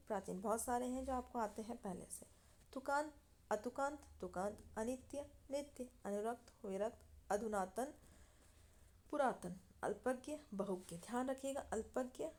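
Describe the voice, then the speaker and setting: Slow, mellow-voiced woman teacher. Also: fairly high pitch. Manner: reads word pairs in a list, with short explanations. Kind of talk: exam-prep vocabulary lesson.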